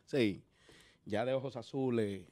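Loud joking man. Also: mid-range voice, a little slow. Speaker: show panelist. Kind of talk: casual entertainment chat.

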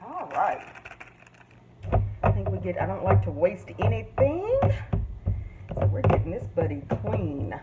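A woman's voice: medium pitch, big pitch swings, measured pace, pauses often, narrow, tinny audio, very noisy. A woman hosting a casual cook-along in her home kitchen, chatting to viewers as she mixes. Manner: chatty, addresses viewers as guys. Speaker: cooking channel host. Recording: distant voice with loud clattering dishes.

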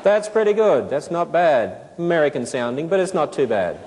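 A man's voice: a little high, sing-song, normal speed, noisy background. Australian man lecturing in an echoing auditorium. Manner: playful, asks the audience questions and jokes. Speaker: speaker addressing a children's audience. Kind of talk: animated lecture to a live audience. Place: large auditorium stage with potted plants.

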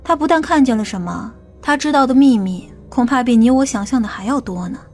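A woman's voice: on the high side, expressive, a little fast, darkish tone, soft background music, lightly acted. A woman playing a stern, impatient police detective in an audiobook drama.

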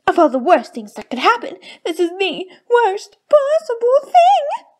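A woman's voice: very high voice, wildly swooping pitch, measured pace, full character voice. A woman voicing a vain, ladylike cartoon unicorn pony who loves fashion, with refined, theatrical diction. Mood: distraught. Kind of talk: fan voice reel of cartoon lines.

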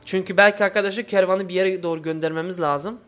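A man giving casual let's play commentary in halting, imperfect Turkish with muddled word forms. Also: high-pitched, fairly even intonation, a bit bright, soft background music. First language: not Turkish, speaks imperfect Turkish. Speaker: gaming video host.

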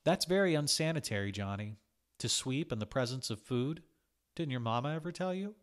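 Man voicing a sassy, higher-pitched young woman cook. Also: animated, brisk, lightly acted. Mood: scolding. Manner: pert, sassy. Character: feisty, defiant young woman cook who talks back.

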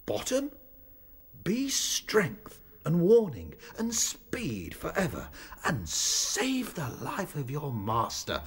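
Guy doing a stern grand sun god, slow booming proclamations, bit husky, radio play. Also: huge pitch swings, full character voice. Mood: grand, proclaiming.

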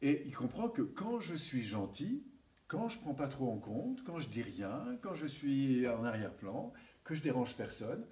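A man giving a seminar lecture, animated and checking in with his audience often. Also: medium pitch, unhurried. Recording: distant mic with faint hiss.

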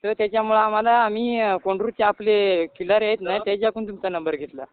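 A man's voice: high-pitched, fairly even intonation, fast talker. A man from Maharashtra calling for help, pleading and rambling, repeating himself often. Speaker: caller asking for help. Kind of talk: distressed phone call. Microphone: phone call. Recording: tinny phone line.

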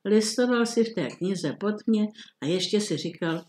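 Insistent middle-aged wife, worried, a bit irritated, as a reader plays her, middle pitch. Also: lively intonation, a little mellow, lightly acted.

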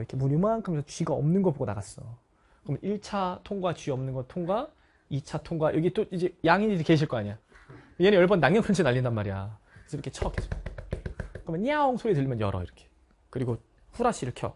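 A middle-aged man, a language lecturer, telling his students a story in a casual way and acting out the scenes with sound effects. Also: on the high side. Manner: animated, acts out scenes with sound effects and voices.

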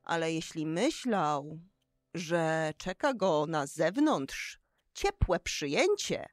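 A woman's voice: deep voice, very animated, slow, no room sound, studio quality. A woman narrating a children's story as the storyteller of an audio play.

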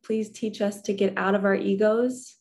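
A woman in her thirties hosting a spiritual channel, talking in a soothing, deliberate way as she guides listeners through affirmations. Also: mid-range voice, level tone, darkish tone. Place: small furnished room indoors.

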